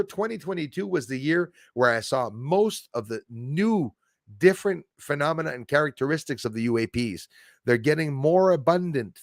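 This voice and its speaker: A man's voice: fairly high pitch, no room sound, studio quality. A man chatting casually as a livestream host, enthusiastic and rambling, addressing his viewers like buddies. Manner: enthusiastic, rambling, chummy with listeners.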